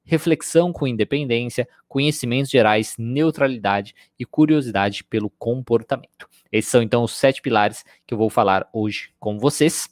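A man's voice: mid-range voice, normal speed, hardly any pauses, no room sound, clean studio sound. A man with a Brazilian accent, a psychologist giving a conversational live-streamed lecture, often dropping in tag questions. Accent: Brazilian Portuguese. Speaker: psychologist teaching a live class.

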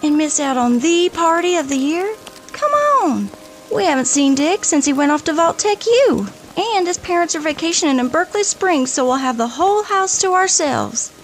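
A woman's voice: extremely high pitch, big pitch swings, moderate pace, full character voice. A woman playing a bubbly, teasing young party-loving best friend in an audio drama, coaxing and playful. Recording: loud music bed behind the voice.

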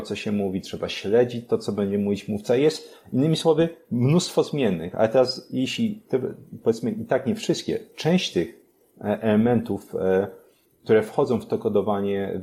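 Man calmly explaining, low mellow voice. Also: a little hiss or hum. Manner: explains step by step with many fillers and restarts. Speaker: podcast guest, memory and learning expert. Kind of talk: explanatory podcast talk.

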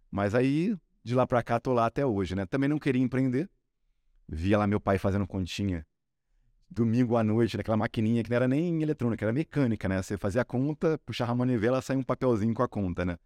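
A man's voice: mid-range voice, darkish tone, dry recording, clean studio sound. A man with a Carioca accent from Rio de Janeiro, a sales executive telling his career story as a podcast guest in a chatty way, often tagging on questions. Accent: Carioca Brazilian Portuguese. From Rio de Janeiro, Brazil. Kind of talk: casual podcast interview.

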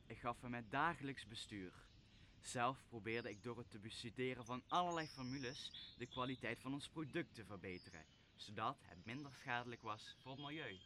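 A man's voice: mid-range voice, bright, forceful tone, close to an everyday voice. Man acting brooding exiled magician, theatrical, noisy ambience. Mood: earnest. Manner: theatrical, deliberate, drawn-out delivery. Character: vengeful exiled magician father, brooding storyteller. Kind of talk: Dutch radio play acting.

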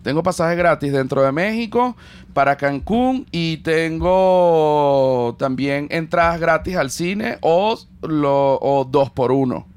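A man with a Venezuelan accent hosting a casual podcast chat, talking in an animated, jokey way and swearing freely. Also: on the high side, slow, clean tone. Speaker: podcast host.

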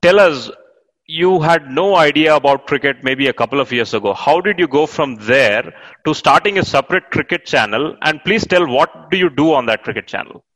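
A man's voice: on the high side, expressive, moderate pace, a bit bright, big-room sound, rough recording. An eager male podcast host welcomes his guests. He talks casually and openly admits to fanboying over them. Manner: enthusiastic, fanboying interviewer. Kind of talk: casual chat.

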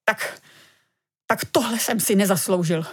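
A woman's voice: medium pitch, slightly rough, close to an everyday voice. A woman voicing a boisterous father who loves his dumplings, in a children's storybook reading. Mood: dismayed. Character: excitable dumpling-loving father, grown man.

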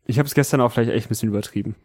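A man improvising a comedy scene with a partner, talking in a sheepish, hushed, mumbling way. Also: medium pitch, very fast, no echo, studio quality. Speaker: improv performer.

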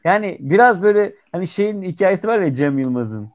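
A man's voice: sits high, fairly quick. A man from Turkey chatting casually, telling stories animatedly and agreeing often. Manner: animated storyteller, frequent agreeing "evet". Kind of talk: casual chat.

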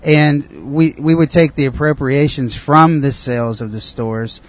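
Middle-aged man, first language Italian, earnest, halting, medium pitch. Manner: earnest, halting storytelling with fillers. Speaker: guest, police officer and sauce maker. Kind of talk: casual chat.

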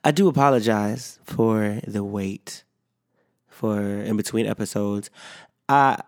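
Guy hosting his solo podcast, gravelly fry, dry close sound, voice still a bit worn from being sick, rambles and swears a lot. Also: fairly low pitch, slow, a little mellow, dry recording. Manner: rambling and candid, with frequent fillers and swearing. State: voice not fully recovered from illness. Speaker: podcast host. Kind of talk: casual solo podcast chat.

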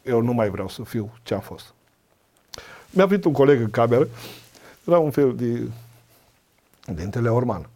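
A man's voice: mid-range voice, big pitch swings, pauses often, mellow. Middle-aged man telling his story earnestly. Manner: earnest, emotional storyteller, acts out dialogue. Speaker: podcast guest. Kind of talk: personal testimony in casual conversation.

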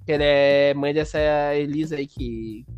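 A man's voice: on the high side, normal speed, clean tone, highs cut off, faint music behind. Slangy man. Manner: animated, slangy, acts out sounds and voices. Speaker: podcast host. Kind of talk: casual storytelling.

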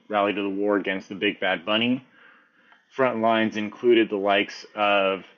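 A man, perhaps in his thirties, delivering a scripted comedic monologue as a podcast host in a sardonic, deadpan, profane manner. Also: lowish voice, dull audio.

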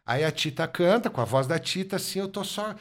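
A man from southern Brazil, a guest musician in a casual podcast chat, telling lively stories and laughing often. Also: sits high, fairly quick. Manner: animated storyteller, laughs often, fillers like "cara" and "bah".

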